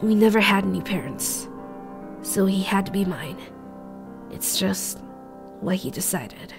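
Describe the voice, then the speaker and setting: A woman's voice: medium pitch, lively intonation, a little slow, creaky, over music. A woman voicing a young captive boy in an audio drama, terse, defiant and fiercely loyal. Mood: guarded, earnest.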